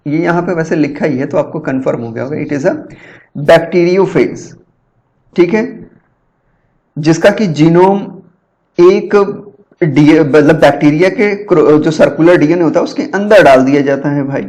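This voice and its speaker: A male lecturer going through exam-prep questions, asking and answering his own questions and reading English question text slowly. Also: fairly high pitch, darkish tone.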